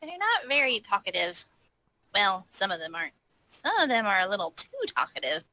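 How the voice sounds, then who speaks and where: Woman, high pitch, bright, wry, casual roleplay dialogue, close dry sound. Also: sing-song, brisk, no echo, poor audio. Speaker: roleplaying game player. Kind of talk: casual in-character improvised dialogue.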